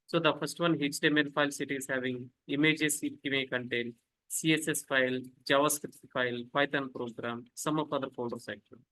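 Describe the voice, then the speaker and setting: A man's voice: medium pitch, steady tone, fairly quick, bright, forceful tone, low-quality recording. A man teaching a live online class, repeating points, tacking "actually" onto sentences and asking students to answer back. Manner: repetitive, fillers like "actually", quizzes students. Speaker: instructor. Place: home, rain outside.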